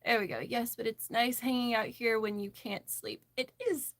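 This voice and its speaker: A woman's voice: on the high side, steady tone, normal speed, a bit bright. An American woman hosting a casual livestream, chatting and answering viewer comments as she goes. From western Massachusetts, United States. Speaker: livestream host, crocheter.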